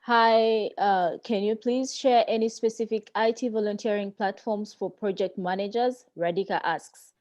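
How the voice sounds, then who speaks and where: A woman moderating an online chat, reading audience questions aloud in a measured way, over dull lo-fi call audio. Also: medium pitch, fairly even intonation, a little mellow.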